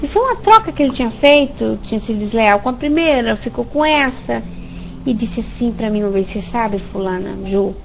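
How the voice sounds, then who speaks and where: A woman's voice: on the high side, animated, a little fast, vocal fry, a little hiss or hum, rough recording. A woman leading an informal religious study over an online voice chat, talking conversationally and often checking in with her listeners. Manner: warm conversational, frequent rhetorical "né?" checks. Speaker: spiritist study leader. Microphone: computer mic over online voice chat.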